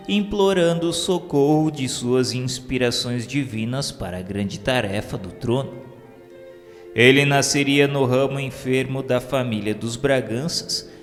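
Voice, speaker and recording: A man giving a slow, solemn, measured scripted narration of a spiritual history. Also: medium pitch. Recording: long reverb with faint music bed.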